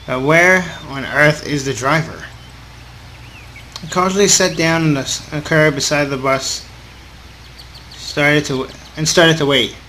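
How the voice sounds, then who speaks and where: Higher-voiced man reading a game aloud, noisy recording. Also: sharp tone. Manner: informal, halting read-aloud with off-script remarks. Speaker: gaming video host. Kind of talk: reading a visual novel aloud with casual asides. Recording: clearly audible background noise.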